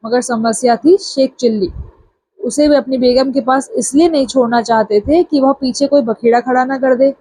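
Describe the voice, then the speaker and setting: A woman narrating a humorous folk tale in plain, even storytelling. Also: sits high, husky, no room sound.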